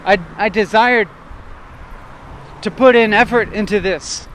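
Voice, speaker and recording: A man walking outdoors and thinking aloud in short, broken phrases, at times loud and assertive, almost shouting. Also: high voice, measured pace, a little hiss or hum. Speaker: vlogger. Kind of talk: reflective walking monologue. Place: outdoors on a street while walking.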